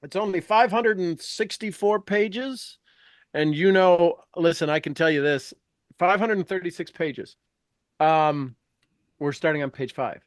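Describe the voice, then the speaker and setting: Recorded cleanly in a studio with no room sound, a slightly high-pitched man delivers a live motivational lesson built around reading a self-help book aloud. His manner is informal and emphatic, full of self-interruptions, rambling commentary, and phrases repeated for effect.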